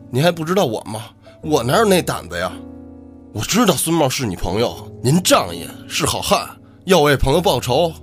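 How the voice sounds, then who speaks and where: A man's voice: mid-range voice, close to an everyday voice. A man playing a frightened, cowardly young villager in an audio drama, panicky, stuttering and pleading. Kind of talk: Chinese audio drama acting. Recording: background music under the voice.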